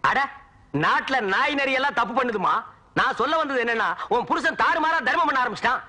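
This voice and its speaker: A man's voice: very high-pitched, fast talker, bright, forceful tone, heavily acted. An actor playing a grumbling, sarcastic man who rants about his brother-in-law in a film comedy scene. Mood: ranting. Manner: ranting, sarcastic.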